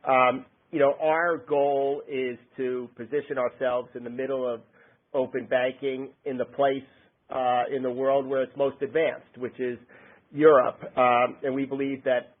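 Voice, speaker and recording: A man's voice: mid-range voice, flat delivery. Male executive on a narrow phone line. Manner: halting, repeats and rephrases words. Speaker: company executive answering analysts. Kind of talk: earnings call remarks.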